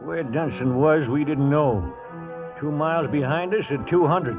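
Weary cowboy storyteller, higher voice, folksy, dull old radio sound, music behind. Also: male voice. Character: weary, rustic male trail-drive cowboy narrator. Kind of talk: scripted first-person radio narration.

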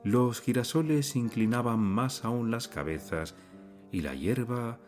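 A man narrating a classic short story in a measured, somber reading style. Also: mid-range voice, animated, darkish tone, soft background music. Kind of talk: literary audiobook reading.

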